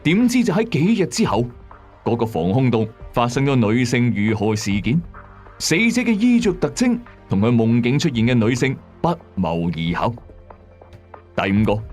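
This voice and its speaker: A man's voice: medium pitch, darkish tone. A man with a Hong Kong Cantonese accent narrating a scripted story in a dramatic, suspenseful way with colloquial asides. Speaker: narrator and host of a late-night mystery story channel. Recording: voice over background music. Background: music bed.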